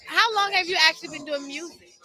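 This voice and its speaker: A woman's voice: very high-pitched, fast, pushed and bright, poor audio. A woman hosting live interviews at a showcase event, talking in a hyped, informal, slangy way. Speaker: interviewer and host. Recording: music behind the voice. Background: music at a live showcase.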